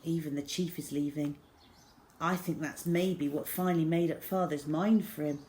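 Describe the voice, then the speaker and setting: A woman reading a children's book aloud as an expressive storyteller, with measured, dramatic phrasing. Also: sits low. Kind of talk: expressive storytelling, scripted narration. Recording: clear background noise.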